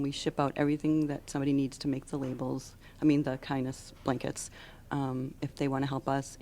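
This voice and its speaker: A woman giving unscripted interview answers as a charity founder, explaining earnestly and haltingly. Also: very deep voice, dark tone. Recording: on-location audio with background noise.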